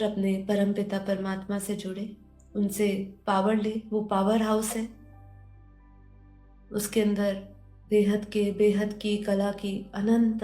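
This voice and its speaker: A woman leading a guided meditation and spiritual teaching in a gentle, instructive manner, often repeating phrases. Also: mid-range voice. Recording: roomy echo under background music. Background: music.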